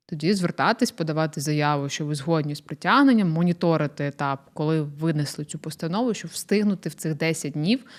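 Over a silent background in a very clean recording, a woman with a very deep, low pitch talks at a fairly quick pace with hardly any pauses and ordinary pitch variation. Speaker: lawyer. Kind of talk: studio interview explaining legal matters. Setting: studio.

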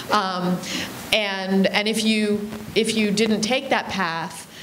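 Over light background noise, a woman with an American accent speaks at a fairly slow pace, with monotone, flat intonation and very even loudness. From US, suburban Philadelphia. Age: 40s. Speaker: journalist and author; journalist. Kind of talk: panel discussion. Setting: stage with live audience. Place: stage. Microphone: handheld.

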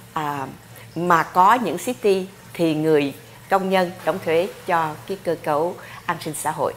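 Over light background noise, a woman speaks at a very slow pace with a fairly low pitch and ordinary pitch variation. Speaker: social security benefits expert answering questions; TV presenter. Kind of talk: call-in advice show answering listener questions. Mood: warm, smiling. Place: studio. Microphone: lapel.

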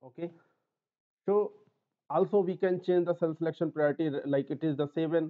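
A man's fairly high pitch at a moderate pace, with fairly even intonation. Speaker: telecom optimization trainer. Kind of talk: technical tutorial talk. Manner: quiet at times.

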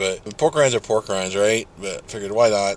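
A man with fairly low pitch speaks at a moderate pace with fairly even intonation. The sound is dry with no echo, and noticeable background noise is present. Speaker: vlogger. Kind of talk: casual vlog chat. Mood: relaxed, laughing. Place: car. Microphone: phone near.

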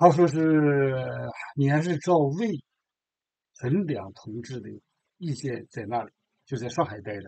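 A man's dark, mellow, fairly high voice with lively intonation at a fairly slow pace, full of long, frequent pauses, dry with no echo and a quiet background. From Liaoning, northeast China. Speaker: political commentator. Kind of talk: news commentary monologue. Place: home room. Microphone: webcam.

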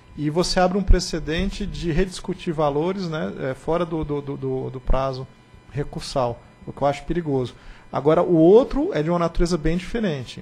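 With a dark, mellow tone, a man speaks at a fairly high pitch. His pace is moderate and his pitch varies in an ordinary way. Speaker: regulatory agency board member. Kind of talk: deliberative discussion. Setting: public board meeting.

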